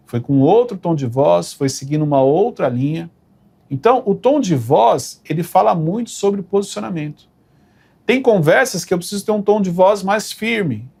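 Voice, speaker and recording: Man, leadership coach, fairly high voice, gravelly edge, emphatic, talks right at the viewer. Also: a little mellow. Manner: emphatic, addresses viewer directly with rhetorical questions. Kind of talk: direct-to-camera leadership talk.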